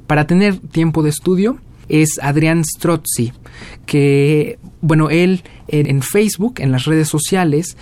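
A Mexican jazz musician in his twenties answers interview questions as a guest, telling stories in a relaxed way with plenty of fillers. His voice sits on the high side.

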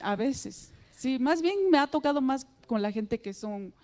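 A Mexican woman whose first language is Mixtec, a singer answering interview questions softly and hesitantly with many fillers. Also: sits high, expressive, a little slow. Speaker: singer guest. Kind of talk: interview answers and folk singing.

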